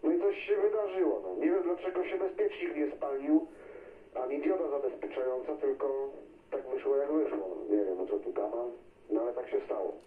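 A man's voice: medium pitch, a little fast. A Polish man chats casually over CB radio. His voice comes through a thin, band-limited signal, distant and echoey, as he talks like an operator on air. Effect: CB radio transmission. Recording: tinny, noisy CB radio signal, far and echoey.

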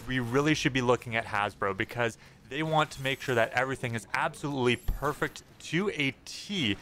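A young man, slightly hoarse, talking casually and earnestly about gaming news as a channel host, repeating words for emphasis. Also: medium pitch, brisk, bright, forceful tone, slight background noise. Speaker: gaming YouTuber. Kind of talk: casual commentary on game news.

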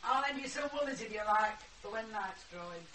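A woman's voice: medium pitch, lively intonation, brisk, sharp tone, slight background noise, poor audio. An actress playing a blunt, teasing old grandmother in a radio drama. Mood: chiding. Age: older.

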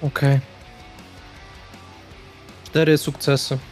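A man's voice: a little high, level tone, extremely slow. A man playing a tabletop roleplaying game, talking to the game master about his moves and rolls. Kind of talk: game talk, asking and reporting rolls. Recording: faint guitar music behind.

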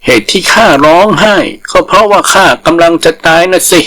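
A man's voice: high-pitched, steady tone, fairly quick, pushed and bright, pitched above the performer's own voice, rough recording. A man voicing a big, proud but gullible elephant with an earnest manner in a folktale. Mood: sorrowful. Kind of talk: animal folktale storytelling.

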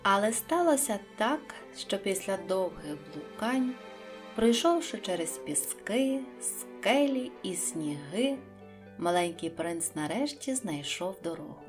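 A woman narrating a children's audiobook in a soft, even storytelling voice. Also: medium pitch, slow, soft background music.

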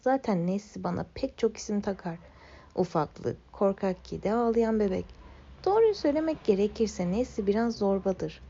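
Telling a first-person children's story, a young woman speaks at a normal speed in an expressive, medium-pitched voice that's mellow with gravelly fry underneath. She sounds gentle and wistful, though the audio is a bit muffled and lo-fi.

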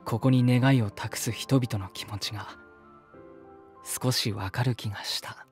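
A man's voice: medium pitch, fairly even intonation, measured pace, lightly acted. A man as an earnest, mild young visitor. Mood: admiring, reflective. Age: young adult. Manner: polite, sincere, mild. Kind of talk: voice drama dialogue and reflective narration. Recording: music behind. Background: music.

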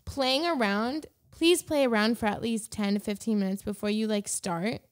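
A woman's voice: medium pitch, moderate pace. A woman in her mid-twenties co-hosting a podcast, talking frankly and chattily at a studio mic. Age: 20s. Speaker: podcast co-host. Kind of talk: casual podcast chat. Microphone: headset and desk mic.

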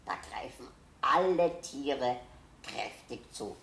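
A woman reading a children's Christmas story aloud as host, gentle and unhurried. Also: rumbling low, expressive, slight background noise. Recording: roomy echo.

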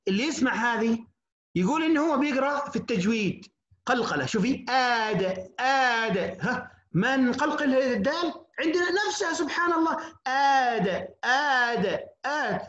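A woman teacher leads an English lesson, stretching out sounds and repeating them again and again. Her voice sits a little high. The recording is muffled and lo-fi, with a roomy echo around her. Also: a bit bright. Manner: drawn-out, repetitive drilling of sounds. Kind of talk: online lecture for beginners.

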